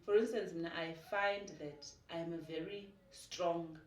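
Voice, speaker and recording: A woman in her forties with a South African Xhosa accent talks in a low voice, with a lively, animated delivery that mixes Xhosa and English. She is recorded from a little distance in an echoey room. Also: unhurried, a little hiss or hum. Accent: South African, Xhosa-speaking. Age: 40s. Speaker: podcast guest. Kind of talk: casual conversational interview.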